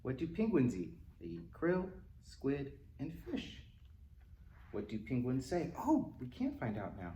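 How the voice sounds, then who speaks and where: A man leads a children's storytime, reading with lively, swooping intonation at a middle pitch. He drops in playful, chatty asides to his young listeners. The recording is roomy and echoey, with a little background noise. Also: a little slow, lo-fi sound. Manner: acts out animal sounds and exclamations. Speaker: library storytime reader. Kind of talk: animated read-aloud for young children.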